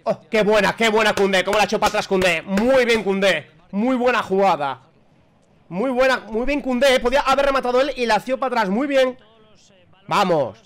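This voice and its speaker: A man reacting live to a football match as a fan, chatty and excitable, shouting at the big moments. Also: high voice, fairly quick.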